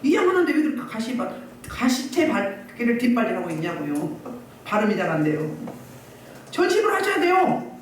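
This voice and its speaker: A woman's voice: medium pitch, fairly quick. A woman pastor preaching a sermon, scolding and exhorting with rhetorical questions, recorded from a distance in a church hall. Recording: echoey distant church recording, faint noise.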